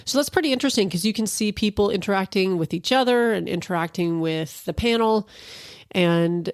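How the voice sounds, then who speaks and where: A woman's voice: mid-range voice, brisk, dry recording, clean studio sound. A woman in her forties hosting a casual solo podcast, a little stuffed up from allergies, chatty and rambling with fillers and restarts. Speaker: podcast host.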